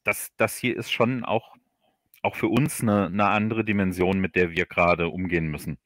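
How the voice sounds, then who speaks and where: A man in a casual livestream interview, explaining haltingly as the guest author and often repeating his words. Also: sits low, fairly even intonation, a bit bright, no room sound, clean studio sound. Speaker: guest, audio drama author.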